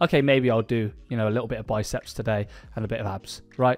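A man speaks at a very fast pace with ordinary pitch variation. Faint music plays in the background. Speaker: fitness coach. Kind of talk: tutorial. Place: home room. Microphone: studio mic.

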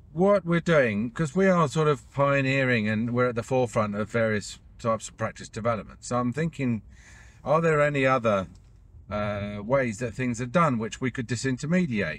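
At a moderate pace, a man speaks, and the sound is dry with no echo. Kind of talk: casual vlog chat. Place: car. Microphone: phone near.

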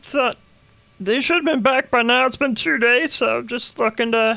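A man puts on a strained character voice at an extremely high pitch. The recording is very clean, with a silent background. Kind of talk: comic overacting. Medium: actual play. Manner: chummy, cheerfully creepy.

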